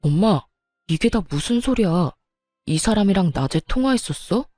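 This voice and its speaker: An angry young husband, voiced by a woman narrator, raising his voice in exasperation, in a warm, fairly low tone. It is a dry, close storytelling recording with faint music under it. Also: expressive, normal speed, dry recording, natural voice. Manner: shouting, exasperated. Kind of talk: storytelling narration with acted dialogue.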